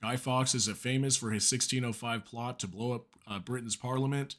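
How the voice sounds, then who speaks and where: A man's voice: mid-range voice, steady tone, a little fast, fairly bright tone. A man hosting an online news commentary, chatty and full of fillers, who is losing his voice from being under the weather. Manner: chatty, many fillers and asides. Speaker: news channel host. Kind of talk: casual news commentary, reading articles aloud.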